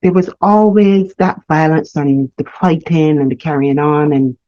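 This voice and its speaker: A woman from Barbados, telling her life story as a guest, earnest and reflective with halting restarts. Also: sits low, dark tone, dry recording. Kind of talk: candid personal storytelling. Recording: slightly muffled lo-fi audio.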